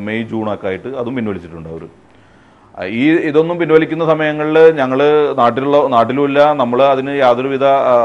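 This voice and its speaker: A man's voice: mid-range voice, dull audio. A man giving an unscripted interview account, hesitant and searching for words, mixing in English words. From Thrissur district, Kerala, India. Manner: halting, hesitant, frequent word searching, English words mixed in. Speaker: interviewee, fraud victim.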